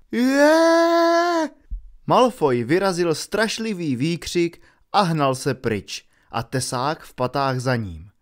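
A man narrating an audiobook in a steady, measured way. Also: mid-range voice.

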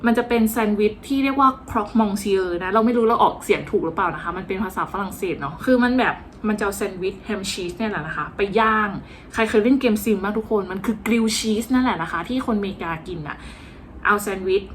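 A woman's voice: mid-range voice, fast talker, a little hiss or hum. A woman talking casually and playfully about a cooking class, joking at her own expense. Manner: chatty, playful, self-mocking. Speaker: vlogger.

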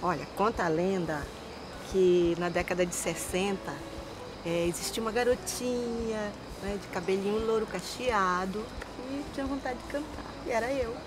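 A woman's voice: medium pitch, moderate pace, background noise. A woman, telling stories of her singing career outdoors in a forest park. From Manaus, Brazil. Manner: animated, lively storyteller with hand gestures. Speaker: singer guest. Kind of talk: storytelling interview answers.

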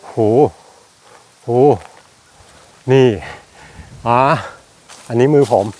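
A talkative, excitable man with a joking manner, showing land for sale outdoors in a fruit orchard on a clip-on mic. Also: extremely slow. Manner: chatty, excitable, jokey. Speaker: real estate agent showing land for sale. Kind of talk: casual walking property tour.

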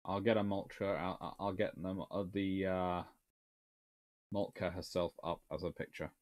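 A man's voice: low voice, fairly even intonation, measured pace, darkish tone. A man in his thirties, a naval historian answering viewer questions in a casual livestream from a small book-lined room, thinking aloud and restarting sentences as he goes.

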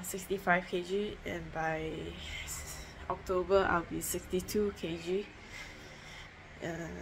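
A woman's voice: lowish voice, a bit bright. A young woman chatting casually into a phone at home, matter-of-fact and rambling, with lots of fillers and restarts. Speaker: vlogger. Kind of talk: casual diet vlog to camera. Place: home, indoors. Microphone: phone held close at arm's length. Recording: noisy home phone recording.

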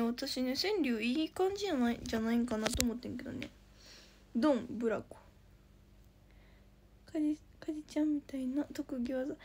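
Young woman, high bright voice, chirpy casual livestream chat, sleepless, phone mic. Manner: chirpy, thanks viewers often, drops into soft whispers. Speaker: idol trainee livestreamer. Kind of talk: casual livestream chat reading viewer comments. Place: indoors at home.

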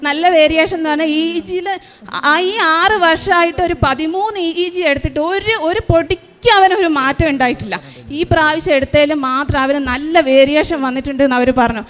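A mother giving an earnest, tearful church testimony, retelling her story with slow pauses. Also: high-pitched, fairly bright tone. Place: large shrine hall. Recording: long reverb of a large hall.

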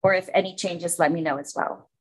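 A woman's voice: on the low side, steady tone, brisk, slightly rough. A woman from the Philippines facilitating a public city commission meeting, explaining informally with many fillers.

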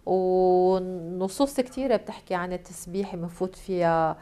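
A woman's voice: fairly low pitch, normal speed, mellow. A woman with a Lebanese accent hosting a television faith talk show, preaching and encouraging her guest. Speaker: host.

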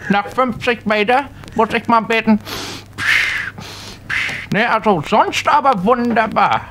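A man putting on a boastful creaky old man. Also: extremely high pitch, a little slow, bright, forceful tone, slight background noise, voice pushed up, heavily acted. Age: older.

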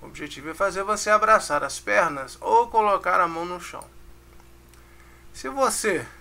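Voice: medium pitch, animated, normal speed, creaky, sharp tone. A music teacher with a Brazilian Portuguese accent, giving a casual online lesson, counting beats aloud and checking in with the class.

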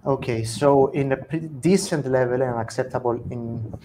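A man's voice: medium pitch, moderate pace, background noise. Young Cypriot man, Greek accent. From Cyprus. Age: young adult. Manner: relaxed, thoughtful, self-correcting. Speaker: guest. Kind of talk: casual video-call interview. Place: home room. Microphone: earphone headset on a video call.

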